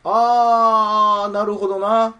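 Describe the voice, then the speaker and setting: A man's voice: sits high, level tone, takes it slowly, bright, forceful tone, clear, resonant tone, lo-fi sound. A man with a Kansai accent co-hosting a casual chat podcast, teasing and bantering playfully. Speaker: podcast co-host.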